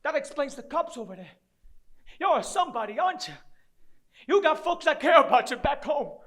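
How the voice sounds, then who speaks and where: A man's voice: extremely high pitch, very animated, normal speed, a bit bright, heavily acted. An actor playing a down-and-out grieving father, self-loathing and desperate, rambling in streetwise, profane dramatic monologue. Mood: wry, coaxing. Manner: rambling, profane, streetwise, talking to an unseen child.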